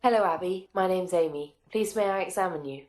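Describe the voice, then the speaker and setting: A woman with a slightly low voice speaks as a clinician to a patient. She gives short, polite instructions and questions in an echoey room. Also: fairly quick, a little mellow. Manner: polite, simply phrased. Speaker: clinician demonstrating an examination.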